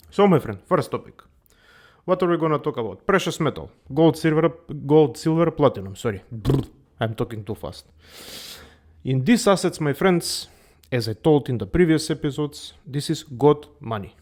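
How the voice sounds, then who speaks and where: Guy doing a jokey money show, kinda high voice, hammy and playful. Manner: playful exaggerated Balkan-English delivery, repeats "my friends". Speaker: comedic finance show host. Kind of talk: comedic character monologue.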